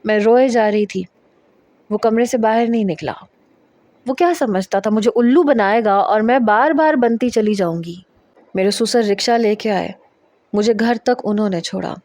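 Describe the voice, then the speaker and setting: A woman narrating a first-person romance story in a measured, emotional way, close to the mic. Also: on the high side, a little mellow, no echo.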